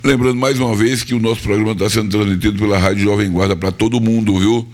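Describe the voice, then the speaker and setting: A man from northeastern Brazil, hosting a live radio music show, slightly hoarse and chatty, repeating details for listeners. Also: on the low side, steady tone, quick pace, darkish tone. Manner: chatty, repeats phone numbers and tags lines with "viu?" and "né?". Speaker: radio host. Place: radio studio.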